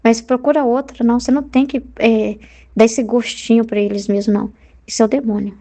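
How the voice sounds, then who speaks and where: A woman's voice: fairly high pitch, fairly even intonation, brisk, dark tone. A woman with a Brazilian Portuguese accent leading a Catholic study group. She teaches in an earnest, conversational way and often checks in with "né?". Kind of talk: spoken spiritual teaching.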